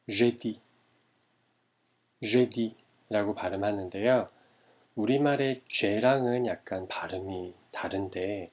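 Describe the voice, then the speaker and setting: A man teaching a language lesson, modeling each word slowly and repeating it for learners. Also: lowish voice, a little mellow. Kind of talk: slow, careful language lesson.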